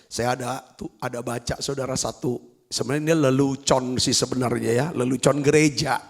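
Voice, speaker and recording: A man's voice: mid-range voice, fairly even intonation, brisk, in a large hall. A male pastor preaching a sermon, emphatic and repeatedly addressing the congregation directly.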